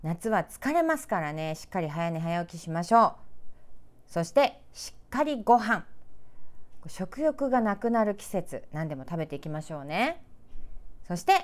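A middle-aged woman presenter speaking to children in clear, polite, measured announcer diction, as in a picture-book read-aloud. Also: fairly low pitch, very animated. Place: small indoor room with sofa.

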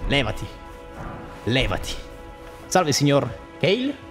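A man giving excitable gameplay commentary as a streamer, shouting at the boss and joking boastfully. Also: mid-range voice, takes it slowly. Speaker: gaming streamer. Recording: loud game music behind.

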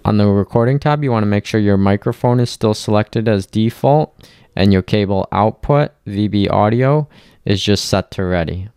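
Male tutorial narrator, smooth and fairly low, plain instructional delivery for software walkthroughs. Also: moderate pace, no echo, clean studio sound. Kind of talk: step-by-step software tutorial voice-over.

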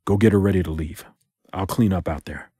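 An actor playing a protective, defiant yet tender male spy in an intimate audio drama, with a husky voice. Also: low-pitched, a little fast, background noise, natural voice. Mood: wry, resolved.

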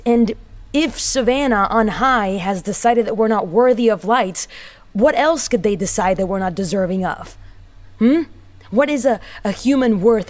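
A woman playing a weary, wry tinkerer in a sci-fi audio drama monologue, speaking in a halting, brooding manner. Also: medium pitch, darkish tone, close to an everyday voice. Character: weary, wry young woman tinkerer in a doomed underground city.

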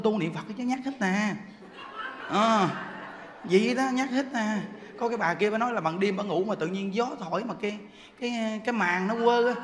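A man's voice: sits high, fairly bright tone, in a large hall. A man giving a Buddhist dharma talk, telling funny ghost stories with laughter and acted-out frightened cries. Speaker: Buddhist monk teacher. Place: temple hall.

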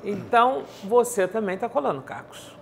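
A woman's voice: medium pitch, sing-song, normal speed, creaky, a little hiss or hum. A middle-aged Brazilian woman speaking conversationally as an interviewer in an indoor studio. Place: quiet indoor studio, seated.

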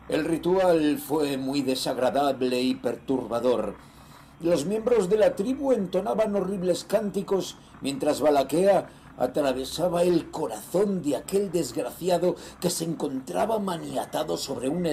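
A ruthless nineteenth-century sea merchant acted by a man dictates his journal in an audio horror drama. The voice is fairly high for a male and soft-edged, with a gravelly creak. The delivery is solemn, measured and theatrical, greed running underneath. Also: a little hiss or hum. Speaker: voice actor in an audio horror series.

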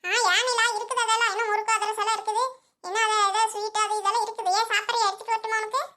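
A woman's voice: very high voice, little pitch movement, racing, bright, forceful tone. A woman voicing chatty village women in a cartoon, fussing, gossiping and scolding. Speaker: cartoon character.

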